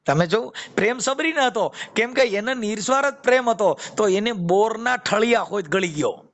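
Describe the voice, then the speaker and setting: A man's voice: high voice, animated, moderate pace, fairly bright tone. A man with a Kathiyawadi Gujarati accent giving an informal spiritual discourse on a phone call, preaching with quoted verses and repeated phrases. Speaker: devotional speaker with a YouTube channel.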